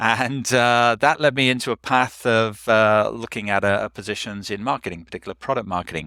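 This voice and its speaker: Over a very clean, silent background, a man with a Welsh accent talks at a very fast pace with ordinary pitch variation, the sound dry and close with no echo. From South Wales, Newport. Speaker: marketing and sales executive. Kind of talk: podcast interview. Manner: hesitant, many fillers.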